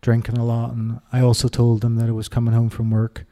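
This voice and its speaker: A middle-aged man with an Irish accent, talking candidly as an interview guest, reflective and halting with many restarts. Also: medium pitch, completely flat delivery, warm tone.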